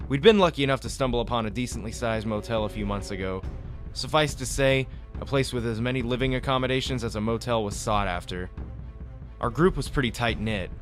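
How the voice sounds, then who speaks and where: A man reading a scripted first-person story in a measured, dramatic storytelling manner. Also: medium pitch. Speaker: amateur writer and narrator. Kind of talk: scripted story narration, then casual chat. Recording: music behind the voice. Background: background music.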